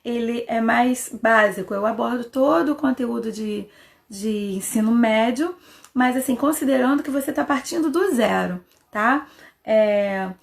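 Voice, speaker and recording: Brazilian Portuguese teacher, woman, slightly high voice, patient and chatty, live reading class. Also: creaky. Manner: chatty, checks in often with "tá?" and "né?"; patient explainer who pauses and restarts. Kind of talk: casual live reading lesson.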